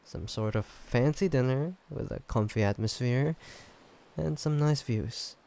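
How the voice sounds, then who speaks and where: The mood turns tender and hesitant as a man, medium-pitched and slightly gravelly, voices an affectionate, teasing human boyfriend on a fancy date. This intimate one-sided roleplay audio drama is spoken casually and haltingly, with gentle teasing and chuckling.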